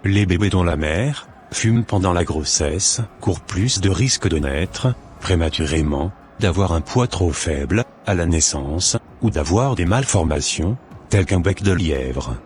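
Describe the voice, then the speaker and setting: A low-voiced big brother from a Christian cartoon, played by a man, earnest and preachy. He explains and admonishes in a measured, teacherly way. There is clear noise in the recording. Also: lively intonation, a little mellow. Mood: instructive. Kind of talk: scripted cartoon dialogue, expository.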